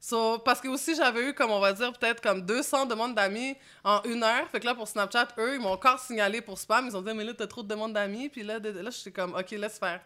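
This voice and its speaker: A young woman with a Québécois French accent, a rap artist chatting in an interview, lively and slangy, dropping English words into her French. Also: a little high, fairly quick, few pauses. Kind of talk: casual interview chat.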